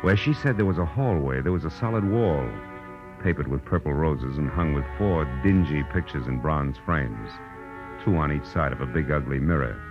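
Muffled old radio recording, hard-boiled American detective, very deep voice, sardonic, clipped, world-weary, 1940s drama. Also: male voice, expressive, normal speed, over music. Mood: wry narration. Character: wry, hard-boiled male private detective. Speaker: lead actor and narrator of a radio detective series.

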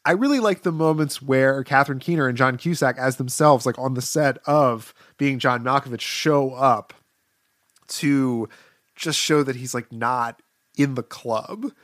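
A man with a mid-pitched voice in a casual film discussion, recorded dry and close. He talks as a podcast co-host, hedging his points in loose, conversational phrases. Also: measured pace, a bit bright, dry recording.

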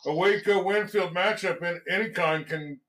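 A man hosting a casual sports radio show in a halting, folksy manner. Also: high-pitched, bright, forceful tone.

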